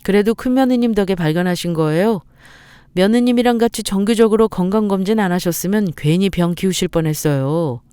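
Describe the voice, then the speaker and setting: An actor playing a polite, reassuring doctor in a radio drama. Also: male voice, sits high, brisk, mellow, clear, resonant tone, no room sound, close to an everyday voice.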